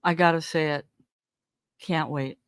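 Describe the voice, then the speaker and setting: A woman giving casual true-crime commentary as a host, thinking out loud with emphatic, conversational phrasing. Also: low-pitched, fairly even intonation, a little slow, clear, resonant tone. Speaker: podcast host analysing recordings.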